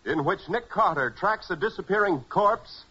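A man's voice: sits high, animated, moderate pace, noisy background. An American man announcing in polished, emphatic 1940s radio style, as if selling every phrase. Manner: dramatic, emphatic, polished salesmanship. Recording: muffled 1940s radio recording.

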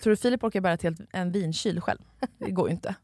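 A woman's voice: lowish voice, a little mellow, no room sound, clean studio sound. A woman co-hosting a podcast, telling a long story in a casual chat and swearing freely. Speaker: podcast co-host.

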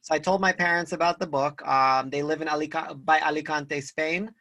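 A man's voice: fairly high pitch, steady tone, a little fast, bright, forceful tone. A young man hosting a casual interview, loose and chatty with lots of "like". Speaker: podcast host. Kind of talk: casual conversation.

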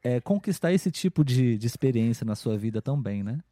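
Mellow-voiced Brazilian man hosting a podcast. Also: medium pitch, animated, a little fast, no room sound. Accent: Brazilian Portuguese. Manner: thoughtful, with frequent "né?" and restarts. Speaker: podcast host. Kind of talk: casual podcast conversation.

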